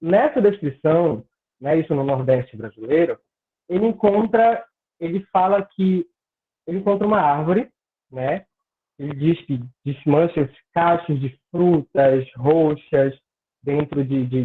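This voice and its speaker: A young man, a graduate student earnestly explaining his research on a video call and stumbling over words now and then. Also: fairly high pitch. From Pará, Brazil. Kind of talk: academic discussion on a video call. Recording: tinny phone-like call audio.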